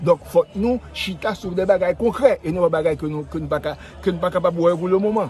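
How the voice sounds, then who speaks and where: With hardly any pauses, a high-pitched man talks at a moderate pace in a dry sound with no echo over light background noise. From Haiti. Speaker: university professor. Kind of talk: press statement. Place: open country. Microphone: handheld.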